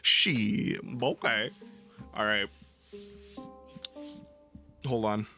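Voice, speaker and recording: Speaking very slowly in a fairly low voice, a man hosts a livestream with background music playing. He's playful and irreverent, cracking profane jokes as he shifts from casual talk to reading aloud.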